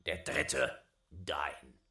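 A man voicing a huge, fearsome old man with a long white beard, speaking slowly and gruffly in a storybook reading. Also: very deep voice, very animated, bright, forceful tone, pitched below the performer's own voice, full character voice. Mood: grudging. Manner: slow, menacing and gruff.

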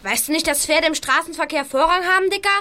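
Here is a cheeky, proud girl in a children's detective radio play. Her voice is high and sharp, with a slight Berlin accent. She snaps her words out brashly and a little hurriedly. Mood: indignant, defiant. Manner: snappy, brash, slightly slurred rushed delivery. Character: cheeky, bossy young girl rider, bristling and proud.

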